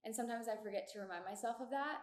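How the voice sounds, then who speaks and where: A woman's voice: fairly high pitch, racing. A woman in her twenties hosting a casual solo podcast, talking in an upbeat, chatty way with lots of filler words, recorded in an echoey community room. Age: 20s. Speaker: podcast host. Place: echoey shared community room in an apartment building.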